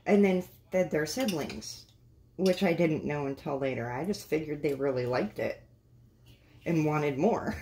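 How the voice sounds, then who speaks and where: A middle-aged woman hosting a casual home interview, relaxed and reflective, laughing often. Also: sits low, unhurried, slight background noise. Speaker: host.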